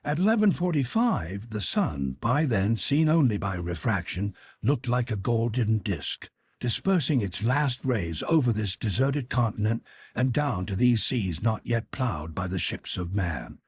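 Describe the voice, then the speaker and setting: Male narrator for classic adventure fiction. Very husky, closely recorded and dry, measured and articulate delivery. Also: fairly low pitch, big pitch swings, no room sound. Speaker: audiobook narrator. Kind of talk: scripted literary narration of a classic adventure novel.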